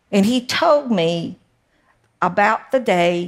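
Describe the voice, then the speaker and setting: Here a woman talks with a Mississippi accent. Her pace is very slow. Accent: Southern US (Mississippi). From US South, Mississippi (Yazoo City). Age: old. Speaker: former juror. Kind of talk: interview and talk excerpts.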